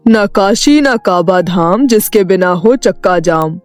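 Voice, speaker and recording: Enchanted house gatekeeper, voiced by a woman: mid-pitched, measured, commanding, cartoon storybook delivery, music behind. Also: animated, darkish tone. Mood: riddling. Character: magical talking cake house, stern riddling gatekeeper. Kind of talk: animated Hindi moral story acting.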